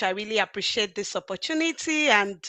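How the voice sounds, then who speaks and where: Against a quiet background, a woman with a Nigerian accent speaks at medium pitch and a fairly slow pace in a bright, sharp tone. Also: dry, close sound with no echo. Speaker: life coach and pastor's wife. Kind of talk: interview. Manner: confident, authoritative.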